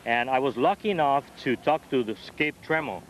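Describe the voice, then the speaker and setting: A Puerto Rican man with a Spanish accent and a medium-pitched voice answers politely and deferentially at normal speed. He's a competitor being interviewed outdoors at a flying field, and the poor audio carries faint field noise.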